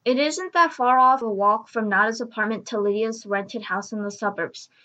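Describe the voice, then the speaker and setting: A woman's voice: a little high, normal speed, pushed and bright. A woman reading scripted story narration as the narrator of an audio drama.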